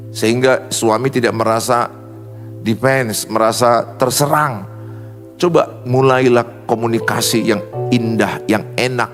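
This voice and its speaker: Seorang pendeta pria menyampaikan khotbah dengan penuh penekanan. Suaranya naik turun antara nada tinggi dan rendah. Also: male voice. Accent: Indonesian. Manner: emphatic preaching, swings high and low. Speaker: pastor. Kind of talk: sermon. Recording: long reverb with faint music.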